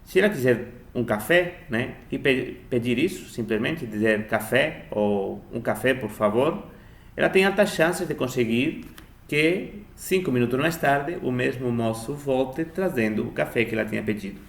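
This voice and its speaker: A man delivers an explanatory lecture in an echoing room. His voice sits at a middling pitch with a gravelly, creaky edge. He teaches didactically, putting rhetorical questions to his listeners. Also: expressive, normal speed. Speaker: language lecturer. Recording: roomy, echoing room sound.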